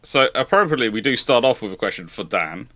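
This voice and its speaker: A man's voice: medium pitch, expressive, fast, sharp tone, no echo. A man hosting a live question-and-answer stream, chatting casually and thinking aloud in a rambling, conversational way. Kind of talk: casual live panel chat.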